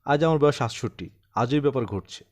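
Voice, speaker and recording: A man's voice: medium pitch, animated, quick pace, lightly acted. Audiobook role: troubled man of sixty-seven, self-deprecating yet insistent, telling his eerie tale, played by a male reader. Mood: haunted, wondering. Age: 60s. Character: troubled 67-year-old man recounting his eerie haunting. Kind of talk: dramatised audiobook storytelling.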